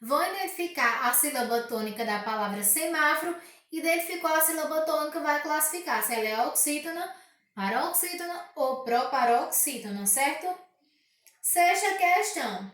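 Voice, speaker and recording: A woman with a high voice teaches a recorded grammar lesson to pupils. She reads each exercise aloud, stretching the key words and asking rhetorical questions. Her voice rings around a very echoey room. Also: lively intonation, moderate pace, a bit bright, recorded from a distance.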